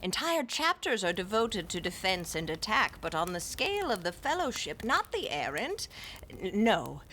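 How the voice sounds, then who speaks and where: A woman's voice: medium pitch, very animated, moderate pace, pushed and bright, a little hiss or hum. A woman playing a shrewd, scholarly older classicist who tells tales and scolds her companions in a theatrical manner. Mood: dry, lecturing. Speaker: narrator and lead character. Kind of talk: audio drama acting.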